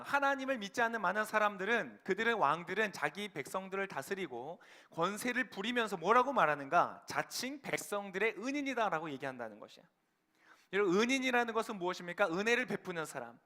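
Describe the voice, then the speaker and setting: A man's voice: high voice, pushed and bright. A young man preaching a sermon, addressing the congregation with rhetorical questions and building to fervent, emphatic declarations. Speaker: pastor.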